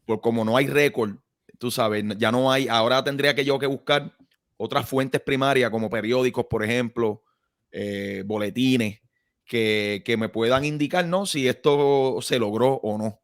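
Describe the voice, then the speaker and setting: A man's voice: medium pitch, fairly even intonation, normal speed, no room sound, studio quality. Puerto Rican man, casual researcher talk. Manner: conversational, many fillers and tag questions. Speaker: guest researcher. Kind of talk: casual conversation.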